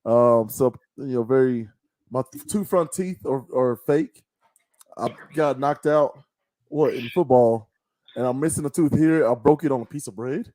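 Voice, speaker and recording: A man hosting a casual interview over a call, playful and quick to laugh. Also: medium pitch, mellow, no room sound. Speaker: podcast host.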